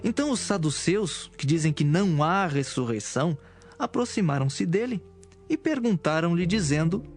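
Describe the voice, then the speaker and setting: A man's voice: fairly high pitch, lively intonation, moderate pace, faint music behind. A man with a Brazilian accent giving scripted narration of scripture as a narrator.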